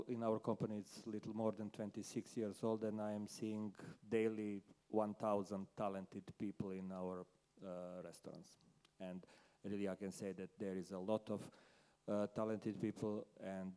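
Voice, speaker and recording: A man with a Serbian accent, speaking as a panelist and company manager, halting and full of fillers. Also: on the low side, mellow, smooth. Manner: halting, many fillers, non-native phrasing. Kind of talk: panel discussion answers.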